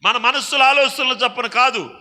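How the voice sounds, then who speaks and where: Man preaching, very high voice, sharp bright tone, call-and-response exhortation, long reverb of a church hall. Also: normal speed. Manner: repetitive, emphatic preaching. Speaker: pastor. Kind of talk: sermon.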